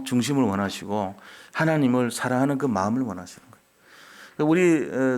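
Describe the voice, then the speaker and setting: A man preaching a sermon as pastor, asking rhetorical questions and acting out the voices of churchgoers he quotes. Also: mid-range voice. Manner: animated, acts out quoted voices of churchgoers and children; scolding then softening, rhetorical questions. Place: church sanctuary.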